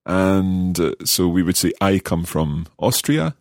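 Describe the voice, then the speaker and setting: A man hosting a podcast language lesson, speaking carefully and repeating phrases slowly for learners. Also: deep voice, expressive, dry recording, clean studio sound. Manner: careful, enunciating learner pronunciation. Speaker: language course host.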